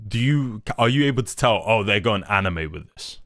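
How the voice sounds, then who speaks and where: A man's voice: lowish voice, animated, normal speed, a bit bright, dry recording. Dry-sounding rambling young male streamer. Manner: rambling, enthusiastic, many restarts and fillers. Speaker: livestream host. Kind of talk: casual live-stream chat.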